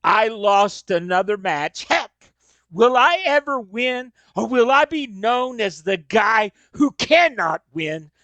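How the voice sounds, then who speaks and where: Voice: mid-range voice, expressive, slow, fairly bright tone, dry recording. A performer playing a vengeful, frustrated wrestler prince in a staged reading, declaring boasts and threats. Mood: brooding.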